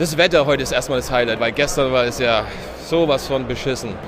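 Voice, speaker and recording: With noticeable background noise and audible room echo, a man talks at a fairly quick pace with ordinary pitch variation. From Franconia, Bavaria (Pottenstein). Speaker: trade fair exhibitor. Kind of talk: street interview. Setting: trade fair floor. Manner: animated.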